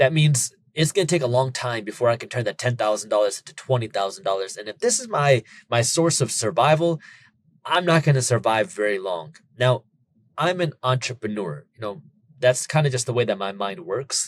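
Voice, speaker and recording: Somewhat breathy, the speaker moves at a fairly quick pace with lively intonation and a non-native accent. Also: man, medium pitch for a man, big swings in loudness. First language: not English. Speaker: entrepreneur and finance educator. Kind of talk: interview. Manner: conversational with some repetitions.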